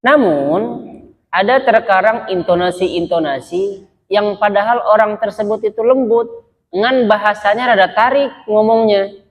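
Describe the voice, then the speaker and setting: A man's voice: high-pitched, measured pace. A male Islamic preacher from Sumatra giving a casual religious lecture, talking conversationally and often addressing his listeners directly. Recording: dull lo-fi recording.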